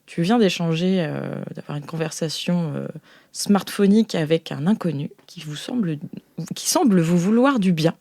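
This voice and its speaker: A woman hosting as game master, narrating an improvised tabletop game in a playful, colloquial, halting way. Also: fairly low pitch, animated, creaky, mellow, dry recording.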